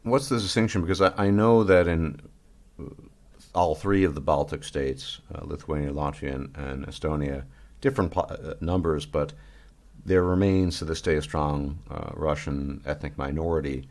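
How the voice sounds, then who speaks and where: A man hosting an interview conversation, asking thoughtful questions and pausing to search for words. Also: rumbling low, a little mellow. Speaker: host.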